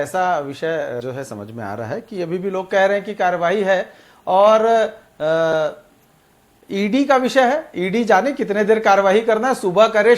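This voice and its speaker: Man, very high voice, insistent, heated political debate, talks over others. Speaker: party spokesperson in a TV debate.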